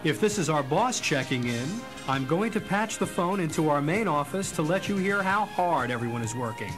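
Man acting officious office manager, cheery, fairly high pitch, comedy message, background music. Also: lively intonation, moderate pace, natural voice. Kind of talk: scripted comic answering machine message.

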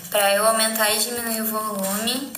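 A woman's voice: a little high, level tone, normal speed, fairly bright tone, reverberant, slight background noise, low-quality recording. A young adult woman with a Brazilian accent chatting casually and playfully on a livestream. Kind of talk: casual live-stream chat. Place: small indoor room at home.

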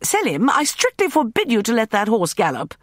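A man voicing a brisk, formidable Victorian lady who leads the group and speaks in a commanding, crisp way. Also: extremely high pitch, wildly swooping pitch, dry recording, clean studio sound, voice pushed up, full character voice.

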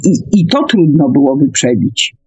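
A woman speaking hesitantly and haltingly in an unscripted radio discussion. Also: deep voice, very animated, warm tone, slightly rough, poor audio. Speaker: radio talk show host.

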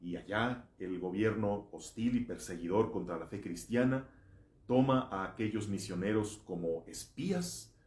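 A man in his thirties with a Mexican accent, a priest giving a motivational religious talk with animated, emphatic storytelling and rhetorical questions. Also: on the low side, a little slow. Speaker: Catholic priest. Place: small indoor room. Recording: echoey room.

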